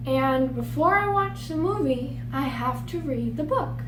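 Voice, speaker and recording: A woman's voice: high-pitched, animated, measured pace. A young woman talking casually to camera about books she wants to read, chatty and rambling, often stumbling over names. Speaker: book vlogger. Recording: roomy echo, distant mic, noticeable hum.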